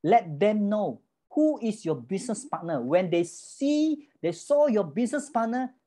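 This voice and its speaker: A woman gives a motivational business talk in a mellow, warm tone. She speaks emphatically, keeps asking her listeners rhetorical questions and mixes two languages as she goes. Her voice sits at an ordinary pitch for a woman. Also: big pitch swings, unhurried. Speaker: business mentor.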